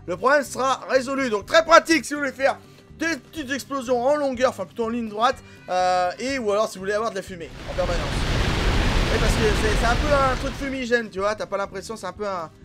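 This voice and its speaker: A man hosting a gaming channel, commenting casually and excitably on gameplay, filling his talk with voilà and hein. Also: extremely high pitch, fast talker. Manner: excitable, filler-heavy, frequent voilà and hein. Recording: game music clearly behind voice. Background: background music and in-game explosions.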